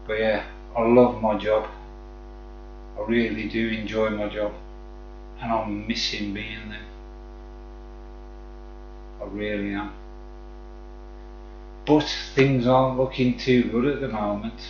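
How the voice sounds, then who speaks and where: Low and darkish in tone, with little pitch movement, this man takes it slowly and pauses often. Speaking with a Black Country accent from the West Midlands, England, he casually chats to his live-stream viewers in a warm, matey manner. The recording is dull and echoey, with faint music.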